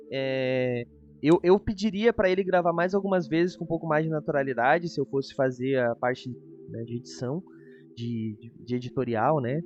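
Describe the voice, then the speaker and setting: A man's voice: fairly high pitch, dull audio. A Brazilian man hosting a reaction show, giving an informal, hedging review in casual conversation. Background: music.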